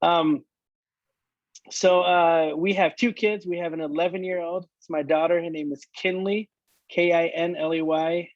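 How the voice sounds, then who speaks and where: A man's voice: a little high, fairly even intonation, no echo, dull audio. A man in his late thirties from Michigan, chatting casually about his life with frequent restarts and fillers. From Michigan, United States. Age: late 30s. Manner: halting, many restarts and fillers. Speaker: worship leader guest. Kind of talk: casual conversation.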